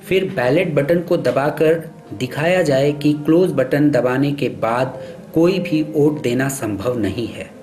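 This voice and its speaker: A man's voice: medium pitch, measured pace, a little mellow. Formal male instructional narrator, music behind. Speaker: training film narrator. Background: background music.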